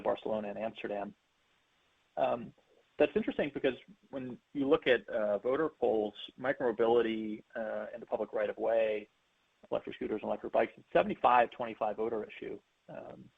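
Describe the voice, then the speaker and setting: Gravelly, husky male executive on a phone line. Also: mid-range voice, no room sound. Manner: measured, explanatory, enumerates points. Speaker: company executive. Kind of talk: prepared business remarks on an earnings call. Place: conference call. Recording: narrow tinny phone line.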